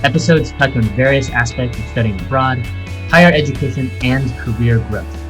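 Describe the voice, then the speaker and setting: A man's voice: medium pitch, fairly quick, fairly bright tone, faint music behind. A man hosting a podcast interview, introducing a guest and asking questions in an enthusiastic, chatty way with fillers. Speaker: podcast host.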